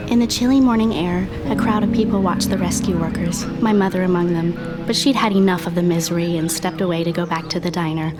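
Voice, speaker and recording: A woman's voice: on the low side, fairly even intonation, a little fast, very noisy, natural voice. Wistful young woman narrating in character. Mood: somber. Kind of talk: scripted audio drama narration.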